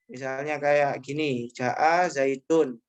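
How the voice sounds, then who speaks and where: A man's voice: mid-range voice, fairly even intonation, takes it slowly, smooth, highs cut off. Patient male online grammar teacher. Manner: explains patiently, repeating points and tagging phrases with "ya". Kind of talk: online class lecture.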